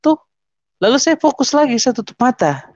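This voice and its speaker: A man giving an emotional testimony, telling his story in an animated way and acting out voices and gestures. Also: extremely high pitch, moderate pace, dry recording, muffled recording.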